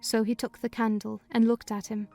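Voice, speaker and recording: A woman narrating a dramatized audiobook reading in a measured storytelling manner. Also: fairly high pitch, flat delivery, mellow, soft background music.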